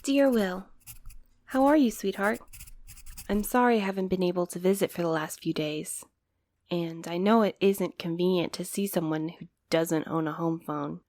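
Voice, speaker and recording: A woman's voice: on the low side, fairly even intonation, moderate pace, darkish tone, dry recording, natural voice. A woman playing a wry, put-upon mail courier in an audio drama, conversational and a little sardonic. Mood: affectionate, chatty.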